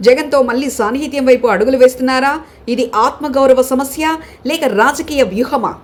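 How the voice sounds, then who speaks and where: A woman reading a scripted news report in a brisk, even newsreader manner. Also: fairly high pitch. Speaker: news reader.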